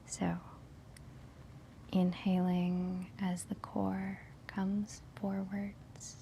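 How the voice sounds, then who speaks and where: Woman, meditation guide. Hushed whisper, very even delivery, unhurried and soothing, faint ambient noise behind. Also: medium pitch, rough recording. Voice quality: soft, breathy whisper. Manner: gentle, unhurried, soothing instruction with long pauses.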